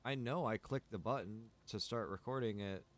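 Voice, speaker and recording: A man's voice: on the low side, moderate pace. A man who streams games, thinking aloud casually and muttering to himself in a baffled way. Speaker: game streamer. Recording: clear background noise.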